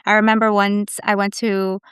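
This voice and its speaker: A woman's voice: medium pitch, level tone, moderate pace, smooth, no echo, clean studio sound. A woman, an immigration attorney, reflecting in casual conversation and telling personal stories with many "like" fillers. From United States.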